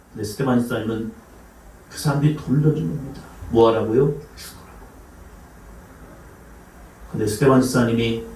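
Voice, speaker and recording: A man's voice: mid-range voice, gravelly, mellow. Dramatic male pastor in echoey church. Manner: dramatic, acts out quoted voices with cries and sighs; asks the congregation questions. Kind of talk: sermon. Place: church sanctuary. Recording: echoey church hall, mic some distance off.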